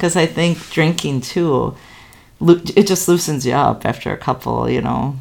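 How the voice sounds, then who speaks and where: Speaking at a moderate pace, a woman with a very deep, low pitch and vocal fry uses ordinary pitch variation. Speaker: occupational therapist and mother of host. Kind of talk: casual chat. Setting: home bedroom.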